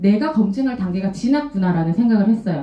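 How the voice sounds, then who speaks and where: A woman's animated tone with very wide pitch swings, amid noticeable background noise and audible room echo. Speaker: network marketing business presenter. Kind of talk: sales presentation lecture.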